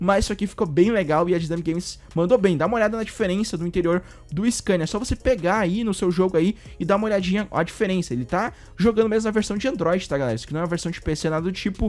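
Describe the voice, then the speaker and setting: This man speaks at a very fast pace in a high pitch, with ordinary pitch variation. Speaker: gaming YouTuber. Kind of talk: gameplay video commentary. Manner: animated.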